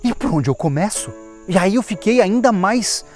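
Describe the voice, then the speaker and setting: A man's voice: sits high, expressive, moderate pace, a little mellow, soft background music. A man sharing a personal conversion testimony in a casual, rambling way, often restarting and thinking aloud, with an earnest, emotional tone. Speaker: testimony speaker. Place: outdoors, insects and a plane audible.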